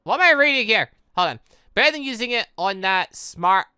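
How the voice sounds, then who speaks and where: A woman giving casual let's play commentary, reading game dialogue aloud and rambling as she thinks out loud with animated reactions. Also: medium pitch, a little fast, clear, resonant tone, no echo, clean studio sound. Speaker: gaming channel host.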